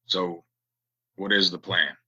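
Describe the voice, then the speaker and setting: An actor playing a troubled, polite war veteran in a Western audio drama, speaking in an earnest, halting way. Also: male voice, low-pitched, fairly even intonation, sharp tone, breathy edge, highs cut off, exaggerated voice. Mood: earnest, deferential. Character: troubled, soft-spoken male stranger, war veteran in Western town.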